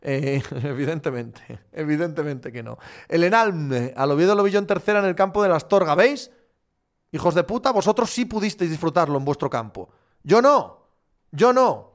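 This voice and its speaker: A sports journalist with an Asturian accent, talking casually as he answers viewer questions. His voice sits high for a man, and he gets animated, swearing and shouting like the fans in the stands. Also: brisk. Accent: Asturian Spanish. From Asturias, Spain. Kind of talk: casual live chat.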